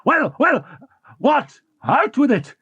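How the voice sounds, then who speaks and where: A man's voice: very high-pitched, wildly swooping pitch, slow pace, sharp tone, husky, no room sound, lo-fi sound, voice pushed up, exaggerated voice. A man voicing a fierce, impatient young nobleman.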